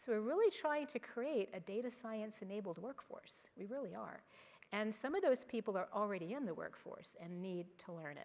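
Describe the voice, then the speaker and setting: At a fairly quick pace, a woman speaks with a fairly high pitch and lively intonation. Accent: American. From New York. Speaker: executive director presenting at a conference. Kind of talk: conference presentation. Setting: stage with audience. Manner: fast; animated.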